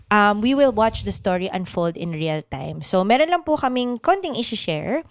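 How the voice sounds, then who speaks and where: A woman's voice: mid-range voice, sing-song, normal speed. A woman hosting an improv comedy show and narrating its radio drama into a close studio microphone.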